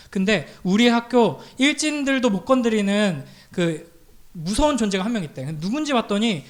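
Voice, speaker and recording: High-voiced, animated male youth pastor. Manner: animated storytelling, acting out quoted voices. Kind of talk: youth sermon with storytelling.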